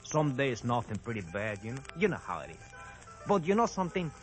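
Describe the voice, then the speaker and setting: A man's voice: medium pitch, sing-song, fairly quick, soft background music, close to an everyday voice. A man playing a shady, nervous Mexican small-time crook in an old radio drama, with a Mexican Spanish accent, stammering and chuckling. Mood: sly, friendly. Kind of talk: 1950s radio drama acting.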